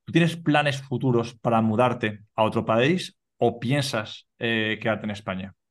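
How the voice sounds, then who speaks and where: A man's voice: medium pitch, unhurried. A man with a Spanish accent hosting a podcast interview, giving short backchannel replies and asking easygoing questions. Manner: brief backchannels, relaxed questions. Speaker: podcast host. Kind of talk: casual interview.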